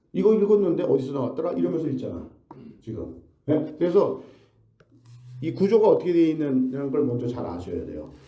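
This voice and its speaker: A man at a fairly quick pace, with vocal fry, very wide pitch swings, big swings in loudness, long, frequent pauses and audible room echo. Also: fairly high pitch for a man. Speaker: guest preacher. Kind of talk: sermon.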